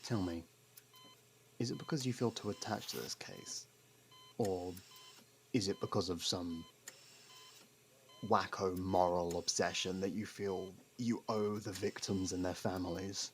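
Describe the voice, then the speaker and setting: Man acting a low, gravelly, exasperated criminal. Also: fairly even intonation, a little hiss or hum. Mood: angry, frustrated. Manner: exasperated, scolding, halting pauses, swearing. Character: gruff, sarcastic criminal partner, secretly worried. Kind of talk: ASMR roleplay acting.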